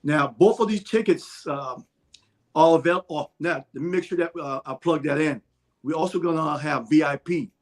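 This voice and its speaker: A man giving casual event details as an interview guest, halting often and correcting himself as he goes. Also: fairly high pitch. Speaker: interview guest promoting a stage play. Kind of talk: casual spoken announcement.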